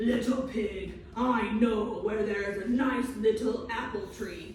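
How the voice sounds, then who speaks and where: A put-on character voice at a fairly slow pace, with strong echo. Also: man, high pitch for a man. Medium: read story. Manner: sly.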